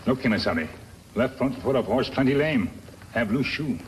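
An actor playing a stoic Native American tracker in a 1950s radio western, speaking in clipped pidgin English. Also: male voice, medium pitch, lively intonation, moderate pace, close to an everyday voice. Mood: terse, watchful. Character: stoic Native American tracker, loyal companion to a masked lawman. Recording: noisy vintage 1950s radio recording.

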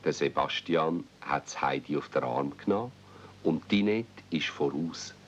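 A man with a Swiss German accent narrating a children's radio play as a storyteller. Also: unhurried. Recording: muffled, noisy old cassette with rumble.

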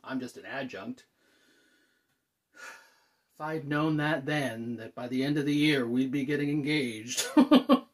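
A man acting out a dramatic monologue as an anxious gay man of thirty who rambles nervously and haltingly to a friend. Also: mid-range voice, steady tone, breathy edge. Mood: wistful, uneasy. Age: 30s. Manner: halting, nervous, sighs and stammers.

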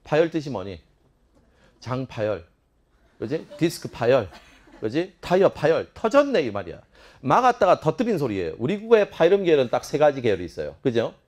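A man teaching a lively classroom lecture, playfully sounding out speech sounds and firing teasing questions at his students. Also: mid-range voice, fairly quick. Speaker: Korean language teacher.

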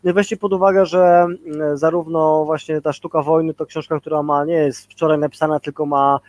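A man's voice: on the high side, flat delivery, a little fast, darkish tone. A man in his forties talking casually on a video call as a guest leadership trainer, rambling with many fillers and tag questions.

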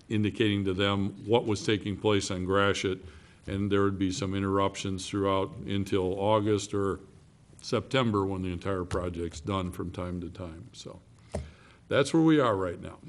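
A man reporting as city manager at a council meeting, halting with many fillers. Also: sits low.

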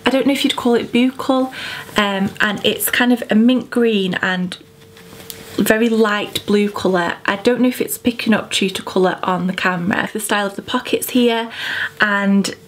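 A woman's voice: mid-range voice, steady tone, normal speed, a little hiss or hum. A young woman talks to the camera from her bedroom, her voice thick and bunged up from a cold. She chats in a gushing, casual way, with plenty of "um" and "kind of". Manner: chatty, gushing, many fillers like "um" and "kind of". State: congested with a cold, sore throat. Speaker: fashion vlogger. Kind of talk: casual haul chat to camera. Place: bedroom, indoors, small.

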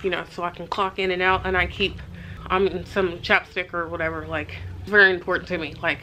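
A woman's voice: lowish voice, flat delivery, fairly quick, sharp tone, slight background noise, poor audio. A middle-aged woman chatting to her camera in a casual vlog, upbeat and rambling with asides. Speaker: vlogger. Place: parked car, then a bedroom.

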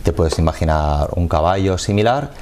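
A man, a football coach explaining his sport in a measured way during a TV studio interview on a lapel mic. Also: sits low, lively intonation, darkish tone, slight background noise. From Madrid, Spain. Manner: measured, explanatory, gestures with hands.

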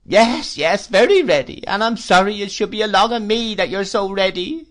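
A man's voice: sits high, moderate pace, fairly bright tone, pitched above the performer's own voice. A man reading aloud voices a tearful, self-pitying older widow who laments in a plaintive, wailing way. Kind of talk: audiobook character voice.

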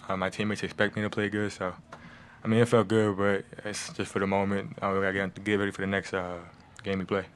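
Young male freshman athlete, laid-back, fast talker, flat low voice. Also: a little hiss or hum. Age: young adult. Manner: laid-back, relaxed, repeats "I mean". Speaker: college basketball player. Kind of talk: postgame press conference answers. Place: press room, seated at table. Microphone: table mic on stand.

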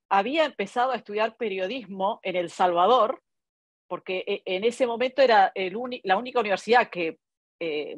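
Italian-born woman w/ argentine accent, 50s, talking from her home study over a laptop webcam, lots of eh pauses, dry close sound. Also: mid-range voice, dry recording. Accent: Argentine Spanish. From born in Italy, raised in Argentina. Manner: thoughtful, many hesitations and "eh" fillers. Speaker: foreign correspondent guest. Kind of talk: relaxed conversational interview. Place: home study with bookshelves, indoors. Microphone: laptop webcam on a video call.

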